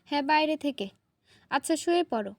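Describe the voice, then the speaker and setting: Storybook role: patient, teasing young husband, voiced by a woman reader, high pitch, dry recording. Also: expressive, brisk, darkish tone, dry recording. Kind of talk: storybook reading.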